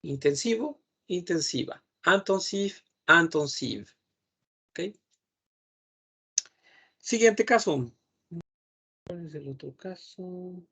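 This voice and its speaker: A man's voice: sits high, expressive, slow, gravelly, long pauses, husky. A man teaching a patient grammar lesson online, repeating each word and humming while he thinks. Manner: patient, repeats words several times, thinks aloud with hums. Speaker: French teacher.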